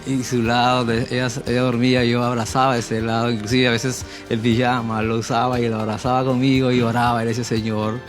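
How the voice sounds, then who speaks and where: A man's voice: mid-range voice, level tone, quick pace, few pauses, music in the background. A man from Peru giving an earnest, emotional personal testimony on a Christian talk show and acting out his own prayers. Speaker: guest sharing testimony.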